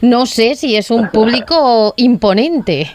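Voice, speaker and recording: A woman on a radio panel asking the guest measured, probing questions. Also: fairly high pitch, lively intonation, a little mellow. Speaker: radio interviewer. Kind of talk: radio interview.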